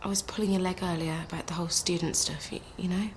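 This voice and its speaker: An actress playing a concerned nurse with a British accent in a naturalistic TV drama. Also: female voice, fairly low pitch, fairly even intonation, fast talker, slight background noise, natural voice. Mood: apologetic, hesitant. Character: mischievous but remorseful female nurse.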